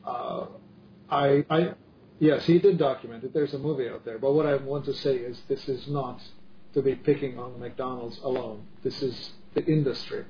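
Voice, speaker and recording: A man's voice: medium pitch, steady tone, normal speed. A middle-aged man from the Czech Republic, talking in an earnest, emphatic way with many restarts in a casual discussion. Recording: dull lo-fi audio with faint noise.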